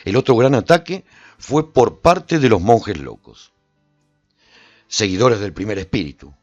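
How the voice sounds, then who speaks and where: A proud, solitary warrior recounting his adventures as a radio serial. His delivery is theatrical and very lively in pitch, rising and falling with the tale. The sound is dry and close, with a slightly muffled top end. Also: unhurried, dry recording, faint music behind. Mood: proud storytelling. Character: lone warrior man recounting his post-apocalyptic adventures, proud and vivid. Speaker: narrator and lead actor of a radio serial. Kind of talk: dramatic first-person radio storytelling.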